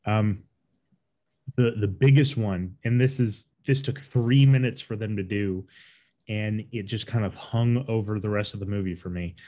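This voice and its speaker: A man's voice: fairly low pitch, normal speed, mellow. A man co-hosting a podcast, giving loose, opinionated takes on a film. He rambles, often restarts his sentences, and circles back to make his point. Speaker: podcast co-host. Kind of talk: casual movie review chat.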